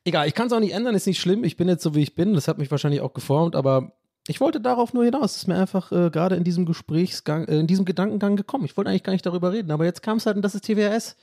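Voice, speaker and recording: A man's voice: high voice, very fast, warm tone, dry recording, studio quality. Rambling, self-reflective man in his thirties. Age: 30s. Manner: rambling and self-reflective, drops in English phrases. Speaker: podcast host. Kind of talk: casual chat monologue.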